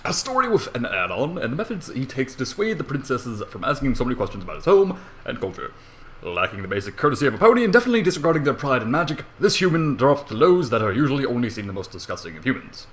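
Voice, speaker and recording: Young male amateur story reader, very lively pitch swings, sweary and self-mocking, casual bedroom recording with faint background noise. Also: fast talker. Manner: irreverent, sweary, self-deprecating. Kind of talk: casual fan fiction reading with rambling asides. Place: bedroom at home.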